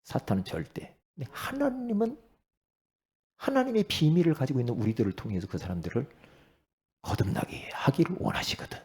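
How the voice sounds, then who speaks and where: Brisk and sing-song, this middle-aged pastor's mid-range voice carries a chatty sermon full of loud bursts and hushed asides. He repeatedly invites the congregation to voice agreement.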